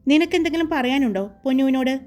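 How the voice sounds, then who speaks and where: A woman's voice: high voice, fast, darkish tone, faint music behind, lightly acted. A woman reading the lines of a playful, confident young groom in a storybook narration. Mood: teasing.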